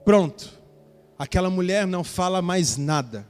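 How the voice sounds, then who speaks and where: A man's voice: sits high, lively intonation, moderate pace, faint music behind. A male pastor preaching a sermon, telling a Bible story with acted dialogue and speaking straight to the congregation. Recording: church hall with reverb.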